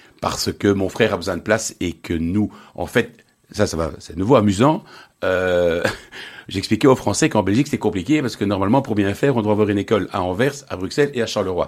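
Recorded very cleanly against a silent background, a man with a fairly low pitch talks at a fairly quick pace with ordinary pitch variation. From Belgium, Brussels. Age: 40s. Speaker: entrepreneur. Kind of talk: radio interview.

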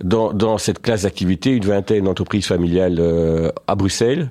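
A man talks at a fairly low pitch, with noticeable background noise behind him. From Brussels, Belgium. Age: 50s. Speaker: construction company executive. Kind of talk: radio interview. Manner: hesitant, many fillers.

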